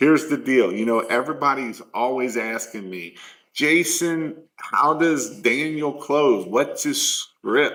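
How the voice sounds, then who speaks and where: Very slowly, a man speaks in a fairly high, bright, sharp voice with vocal fry and lively intonation. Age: 40s. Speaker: Christmas light installation business coach. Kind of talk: live stream Q&A. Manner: casual, many fillers.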